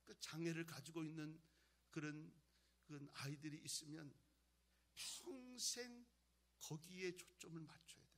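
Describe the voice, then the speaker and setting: A male pastor preaching a sermon, moving between loud exhortation and quiet, conversational storytelling. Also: fairly high pitch, measured pace.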